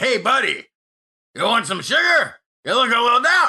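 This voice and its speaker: A shouted, high-pitched put-on character voice at a moderate pace. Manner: pushy, smarmy, friendly.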